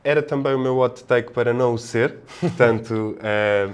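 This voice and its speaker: A man with a European Portuguese accent giving casual sports analysis as a podcast panelist, in a halting, discursive manner. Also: medium pitch, smooth.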